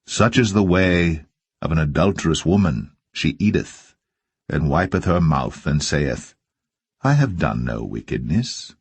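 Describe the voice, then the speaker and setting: A man reading scripture aloud as solemn narration, with measured and deliberate phrasing. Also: a bass voice, big pitch swings, breathy edge, no echo. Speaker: Bible reader.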